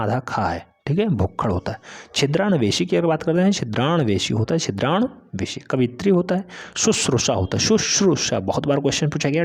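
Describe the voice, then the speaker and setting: A man's voice: medium pitch, husky. A male teacher giving an exam-prep spelling lesson, repeating each word several times in an emphatic, drill-like way and calling his students "beta".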